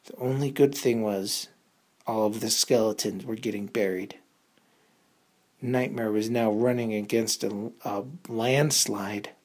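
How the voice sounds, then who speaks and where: A woman's voice: extremely low pitch, darkish tone. A woman telling a suspenseful bedtime story for children in a dramatic, improvised way, repeating words for effect.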